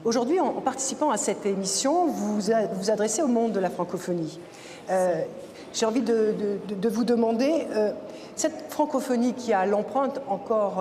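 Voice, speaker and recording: A woman's voice: mid-range voice, warm tone, a little hiss or hum. A woman hosting a broadcast interview, asking probing questions with some hesitation. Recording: long reverb, crowd behind.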